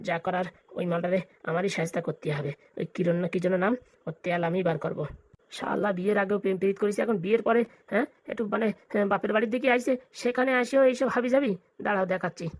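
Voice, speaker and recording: Woman playing a fast, blunt old village grandpa. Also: mid-range voice, steady tone, close to an everyday voice. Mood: suspicious, plotting. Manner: scolding, blunt, colloquial. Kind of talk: comic cartoon dialogue.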